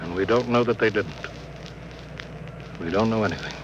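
An actor playing a tense, suspicious starship captain in a 1950s radio drama, clipped and commanding. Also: male voice, lowish voice, moderate pace, background noise, lightly acted. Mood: brooding. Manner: barking orders, clipped and urgent. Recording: old radio broadcast with music.

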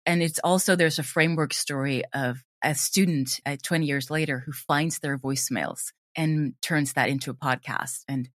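A woman's voice: sits low, steady tone, moderate pace, few pauses, fairly bright tone, dry recording, clean studio sound. A woman from Sweden, chatting enthusiastically and casually as an interview guest. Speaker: interview guest, drama teacher and audio drama creator. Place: at home, remote interview.

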